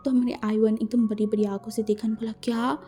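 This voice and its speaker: A woman's voice: on the high side, little pitch movement, fast talker, dark tone, soft background music. A woman casually retelling a fan-fiction story as a channel host, chatty and full of filler phrases.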